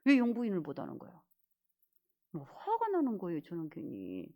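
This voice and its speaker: Woman pastor, lively swooping voice, scolding, loud then whispering. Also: fairly low pitch, normal speed, muffled recording. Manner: animated and scolding, swinging between loud exclamations and whispered asides. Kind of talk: sermon.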